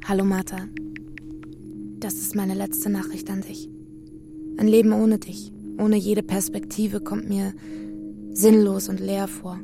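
An actress playing a controlled woman who brings bad news, speaking in a measured radio drama style. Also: mid-range voice, little pitch movement, creaky, over music. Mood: dictating. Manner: measured, deliberate delivery. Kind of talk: radio drama acting with inner narration.

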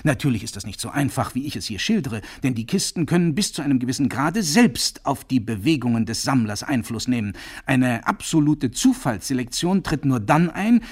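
A man reading a radio story, voicing a domineering male professor who lectures loudly and shouts down every interruption. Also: medium pitch, animated, brisk, breathy edge. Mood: ranting. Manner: lecturing, loud, insistent. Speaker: reader.

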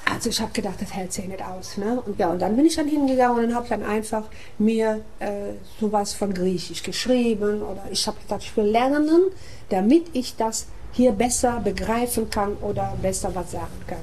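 A woman's voice: mid-range voice, normal speed, dark tone, a little hiss or hum, rough recording. An older woman from Germany, chatting through her memories in an interview, acting out the voices she quotes and tagging her sentences with little questions. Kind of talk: recounting memories in conversation.

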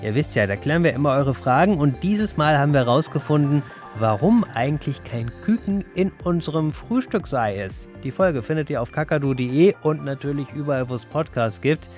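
A man's voice: a little high, lively intonation, fairly quick, darkish tone, faint music behind. A man hosting a children's podcast, announcing the next episode in an upbeat, chatty way. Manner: upbeat, chatty addressing kids. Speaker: podcast host.

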